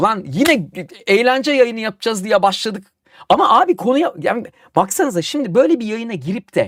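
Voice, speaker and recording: This man's pitch is extremely high, with very wide swings. He talks at a fairly quick pace. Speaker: voice actor and livestream host. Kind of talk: casual livestream talk. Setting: live stream. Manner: animated, rhetorical.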